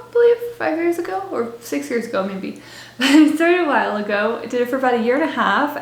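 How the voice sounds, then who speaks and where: A woman's voice: a little high, reverberant. Bubbly young woman, laughing as she talks. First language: English. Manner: bubbly, laughs often between words, chatty with many "like" fillers. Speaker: language-learning vlogger. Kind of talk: casual talk to camera.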